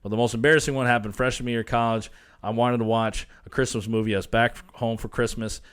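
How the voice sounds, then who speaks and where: A man's voice: mid-range voice, steady tone, fast, a bit bright, clean tone. A man in his twenties co-hosting a sports podcast as the coach, telling stories in a laid-back way and laughing often. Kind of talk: casual sports chat.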